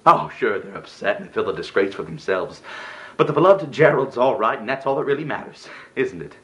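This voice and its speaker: Playing a resentful, envious elder brother in a theatrical monologue, this man sounds sarcastic and emotional, swinging from quiet delivery to sudden outbursts. His pitch is fairly low, his manner animated, and his pace fairly quick.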